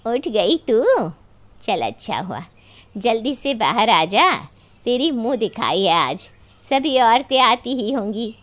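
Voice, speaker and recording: A woman playing a bossy, nosy middle-aged mother-in-law in a story, with emphatic drawn-out delivery. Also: a little high, sing-song, a bit bright, a little hiss or hum, full character voice.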